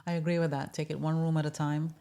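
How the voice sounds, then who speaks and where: A woman's voice: low voice, little pitch movement, quick pace, mellow, clear, resonant tone. A woman co-hosting a casual health talk, agreeable and encouraging with practical tips. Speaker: health coach co-host.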